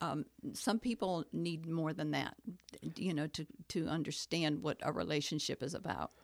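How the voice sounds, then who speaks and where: A woman with an American accent speaks at a moderate pace in a very deep, low register, her ordinary pitch variation edged with vocal fry, in a dry, close recording with no echo. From western New York/northern Pennsylvania border area. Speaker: guest sharing personal story, churchgoer. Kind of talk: personal testimony in interview. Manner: thoughtful, hesitant, with filler words.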